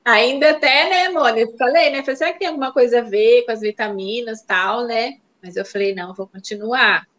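A woman guest telling her own story in a casual chat, animated and acting out the voices of people she quotes, on a dull lo-fi recording. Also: on the high side, a little fast, hardly any pauses. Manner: animated, acts out quoted dialogue. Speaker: interview guest sharing her fertility story.

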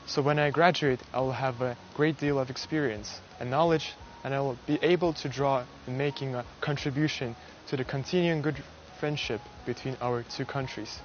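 A young man from Russia, a university student, giving an earnest, measured prepared speech to camera on a lapel mic, outdoors on a garden stage at night. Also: medium pitch, fairly even intonation, muffled recording, a little hiss or hum. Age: young adult.

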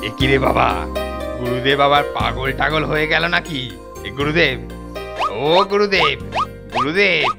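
A man voicing a guru's wary, grumbling disciple in a cartoon, with a gravelly voice. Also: a little high, normal speed, loud music behind the voice. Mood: puzzled, calling. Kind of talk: cartoon voice acting.

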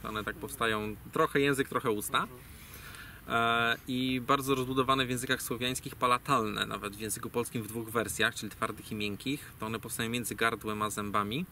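Fairly quick and steady, with a sharp tone in a mid-range voice, a guest speaker on language origins rambles casually through an explanation full of digressions, fillers, and self-corrections. The mic is distant and faint ambient noise is audible.

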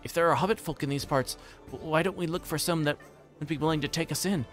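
A man's voice: a little high, quick pace, a bit bright, faint music behind, voice pushed up, close to an everyday voice. A man voicing a humble, homely hobbit servant in a storybook reading, plaintive and deferential. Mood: anxious, pleading.

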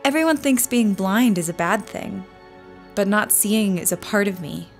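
An actress playing a thoughtful, self-assured blind woman in radio drama dialogue, speaking in a measured way. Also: medium pitch, lively intonation, faint music behind, natural voice. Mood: reflective.

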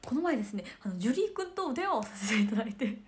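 A woman's voice: a little high, sing-song, very fast. A woman in her late teens hosting a casual livestream, chatting and giggling while reading viewer comments. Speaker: idol livestream host.

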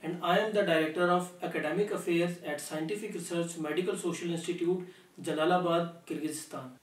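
High-pitched young man, echoey room. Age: young adult. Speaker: academic director. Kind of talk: formal scripted promotional address. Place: small office, seated at desk. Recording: echoey room, distant mic.

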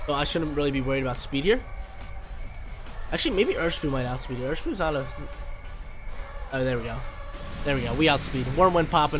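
Young male gaming commentator, congested and nasal, rapid and excitable, light game music underneath. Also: on the high side. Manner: hyped, slangy, talks to himself about moves. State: stuffy, nasal from allergies. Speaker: gaming YouTuber. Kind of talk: live commentary over a video game battle. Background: faint game music.

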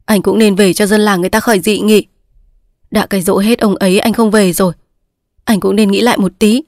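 A woman reading the part of an angry, sharp-tongued old village mother who scolds bluntly, in a dry recording. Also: medium pitch, fairly even intonation, fairly quick, dry recording, natural voice. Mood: reproachful.

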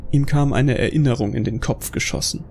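A man's voice: mid-range voice, fairly quick, gravelly, a little mellow, a little hiss or hum. A man reading scripted narration for an audio drama.

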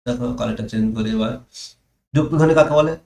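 Male teacher, online grammar lesson, slow dictation with stressed key terms, echoey room. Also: medium pitch, warm tone.

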